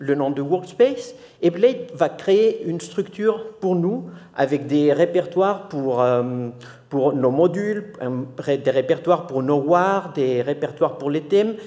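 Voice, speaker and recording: Against noticeable background noise, a man with a non-native accent speaks at a fairly slow pace with lively intonation. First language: not French (speaking French). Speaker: software developer presenting at a conference. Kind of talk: conference talk. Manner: halting.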